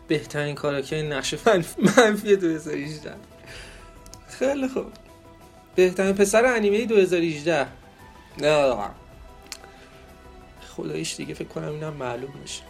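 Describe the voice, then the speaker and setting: A man's voice: fairly high pitch, vocal fry, pauses often, soft background music. A man co-hosting a podcast, announcing poll results in casual chat, joking and asking playful questions. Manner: joking, laughs often, asks rhetorical questions. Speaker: podcast co-host.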